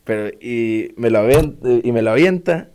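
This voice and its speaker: A man's voice: mid-range voice, lively intonation, normal speed, a little mellow. Young Mexican guy, casual chat, slangy, laughs easily. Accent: Mexican Spanish. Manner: laughing, slangy, quotes himself and others. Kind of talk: casual chat, telling a school story.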